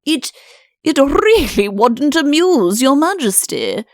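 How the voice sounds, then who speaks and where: Woman acting a flustered, high-pitched royal chancellor. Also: sing-song, no echo, clean studio sound, full character voice. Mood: nervous, evasive. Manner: halting, obsequious. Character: nervous, flustered, deferential male royal chancellor. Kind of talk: comic audiobook character voice.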